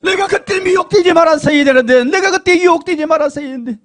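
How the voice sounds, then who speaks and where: A man's voice: sits high, steady tone, moderate pace, warm tone. Man doing a shrieking damned woman in hell. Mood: cursing regret. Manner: screaming, sobbing repeated pleas.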